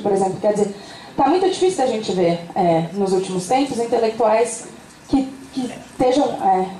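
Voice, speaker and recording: A woman with a Brazilian accent, an audience member giving a halting, apologetic comment at a university talk. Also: on the high side, mellow. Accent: Brazilian Portuguese. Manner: halting, many fillers and restarts, apologetic. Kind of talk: hesitant public comment at a lecture. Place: university auditorium. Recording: echoey hall, voice from far off, faint noise.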